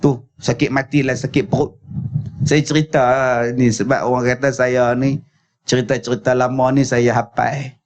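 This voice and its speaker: A man's voice: medium pitch, little pitch movement, moderate pace, darkish tone. A man with a Malaysian accent, a preacher telling stories at a religious lecture at a school, often calling the audience tuan-tuan, on a slightly muffled recording. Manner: storytelling, addressing audience as tuan-tuan.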